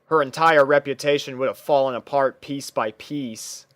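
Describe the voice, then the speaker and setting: A man's voice: mid-range voice, moderate pace, fairly bright tone, dry recording, clean studio sound. A man reading fan fiction aloud as scripted, storybook-style narration.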